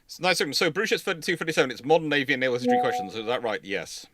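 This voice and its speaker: A man hosting a naval history livestream, answering questions in casual chat with halting, repetitive phrasing. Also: mid-range voice, very animated, a bit bright, no echo.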